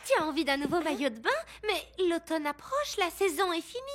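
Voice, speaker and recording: A woman's voice: very high-pitched, animated, brisk. An actress voicing a friendly, shrewd young shopkeeper girl in a children's cartoon, with playful sing-song questioning. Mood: coy, probing. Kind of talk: animated children's cartoon dubbing. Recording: music behind the voice. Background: cartoon music.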